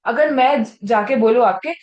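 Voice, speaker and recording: A woman with a fairly high voice teaches a Sunday school class of children, telling the story with animation and putting questions to the kids. She sounds like she is in an echoey room. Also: moderate pace, a little mellow, muffled recording. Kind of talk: Bible story lesson for children. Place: church room with children, also on a video call.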